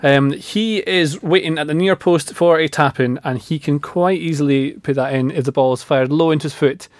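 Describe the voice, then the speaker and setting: Former striker guy on a footy podcast, bit higher voice, animated and playful. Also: moderate pace, dry recording, clean studio sound. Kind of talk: football podcast chat.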